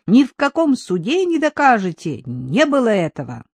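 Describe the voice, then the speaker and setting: A woman voicing a scrappy, loud village girl who squabbles and yells in a storybook reading. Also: very animated, unhurried, dry recording. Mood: shrill squabbling. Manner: shrill, squabbling, cheeky.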